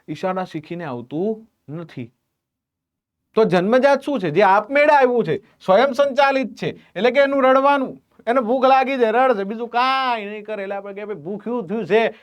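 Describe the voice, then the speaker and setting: Animated man teaching a lesson. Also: high-pitched, lo-fi sound. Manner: animated, acts out examples. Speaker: exam prep teacher. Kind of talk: classroom lecture.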